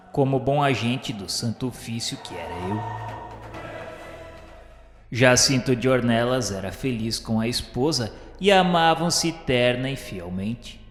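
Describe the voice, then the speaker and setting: A man's voice: medium pitch, lightly acted. Radio drama role: embittered, obsessive male inquisitor played by a man, Brazilian accent, solemn theatrical narration, echoing hall, music underneath. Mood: bitter, calculating. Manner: solemn, literary, theatrical delivery. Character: embittered, obsessive inquisitor recalling forbidden love and rivalry. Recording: echoey hall reverb, music behind.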